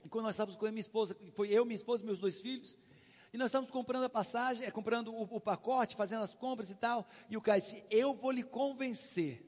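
A man with a very high voice gives a lively sales seminar, acting out both sides of conversations and pushing the audience to call out answers. His voice rings with long reverb from a large hall. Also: racing. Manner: animated storytelling, acts out dialogue, prompts audience. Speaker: sales trainer. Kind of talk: live sales seminar talk.

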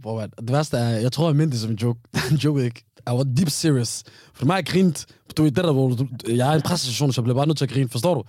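A man's voice: medium pitch, hardly any pauses, darkish tone, no echo, clean studio sound. A man in casual podcast chat, telling stories with slang, frequent restarts and laughter. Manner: laughing storyteller, slang-laced, many restarts.

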